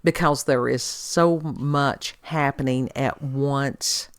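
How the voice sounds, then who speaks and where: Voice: medium pitch, steady tone, takes it slowly, clean tone, dry recording. Rambling podcast co-host, dry close sound. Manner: rambling, changes direction mid-sentence. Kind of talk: casual conversational chat.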